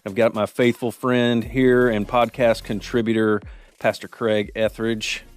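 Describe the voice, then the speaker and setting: A man's voice: mid-range voice, flat delivery, unhurried, clean tone, soft background music. A man hosting a church podcast in casual chat, rambling with many restarts and fillers. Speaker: podcast host.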